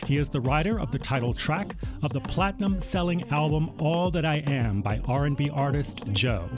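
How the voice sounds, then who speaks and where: A man hosting a radio interview show, reading a measured introduction before chatting with his guest. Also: a little high. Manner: measured, reads credits. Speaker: radio host. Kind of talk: scripted intro then interview. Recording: music bed behind.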